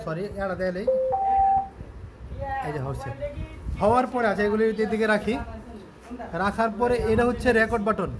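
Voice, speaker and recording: A man with a Bangladeshi accent giving a casual product demonstration and sales pitch, explaining step by step and often repeating himself. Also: poor audio. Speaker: shop seller presenting a product on his channel.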